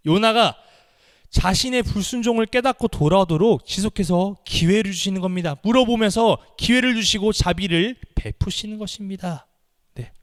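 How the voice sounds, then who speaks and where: A man's voice: sits high, in a large hall. A man preaching a sermon in a church, chatty and conversational, acting out dialogue with exaggerated voices and questions to the congregation. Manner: acts out dialogue between God and Jonah with exaggerated voices. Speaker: junior pastor preaching. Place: church sanctuary.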